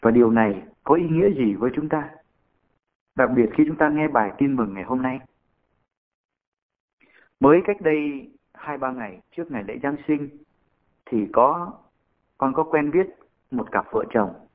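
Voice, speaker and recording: A man's voice: mid-range voice, lively intonation, moderate pace, long pauses. A man, a Catholic priest, giving a sermon and telling a story to his congregation. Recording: tinny phone-like radio sound.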